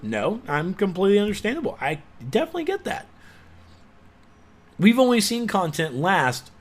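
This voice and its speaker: High, animated man ranting. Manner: exasperated, sarcastic, loud outbursts. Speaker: gaming commentator. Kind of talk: ranting video commentary.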